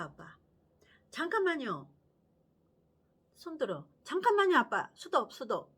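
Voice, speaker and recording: A woman's voice: high voice, pushed and bright, full character voice. A woman putting on an insistent little girl. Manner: pleading, insistent. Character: insistent four-year-old girl demanding answers.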